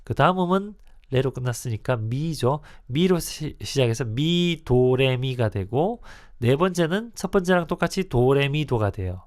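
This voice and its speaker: A man's voice: medium pitch, expressive, normal speed, a little mellow, dry recording, studio quality. A man teaching a guitar lesson, counting rhythms aloud patiently, step by step. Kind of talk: spoken music lesson.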